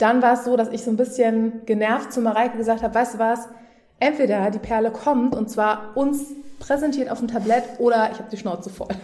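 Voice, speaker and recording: Against noticeable background noise, a woman talks at a fairly quick pace with a fairly high pitch and a monotone, flat intonation. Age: 30s. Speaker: singer and vocal coach. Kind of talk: casual interview.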